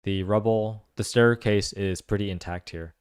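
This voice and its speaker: A man giving casual reaction commentary, thinking aloud in halting phrases. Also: lowish voice, fairly even intonation, darkish tone, smooth, no echo, studio quality. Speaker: video commentator.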